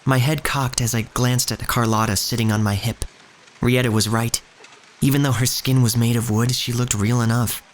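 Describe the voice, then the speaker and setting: An actor playing an earnest, uneasy young shop boy, narrating his own story in a measured, literary way. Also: medium pitch, fairly even intonation, a little hiss or hum, natural voice. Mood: quietly unsettled. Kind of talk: first-person scripted narration in audio drama.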